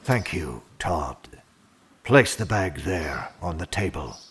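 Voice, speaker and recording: Audio drama interrogator, not human. Very deep, deliberate, controlling, chilly formality, very slow delivery. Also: male voice, very animated, a bit bright, a little hiss or hum, heavily acted. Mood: cold, measured. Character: cold, controlling inhuman interrogator who oversees mortals. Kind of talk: audio drama with first-person narration.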